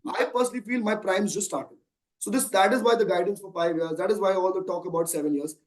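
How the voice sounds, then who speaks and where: The audio is poor as a fast-talking, high-voiced chief executive in his thirties answers earnings call questions. He has an Indian accent and speaks at length, emphatically, using rhetorical questions.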